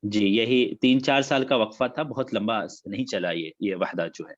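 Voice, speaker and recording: Man, teacher, low voice, muffled lo-fi call. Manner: explains, repeats key facts and dates. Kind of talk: online class discussion.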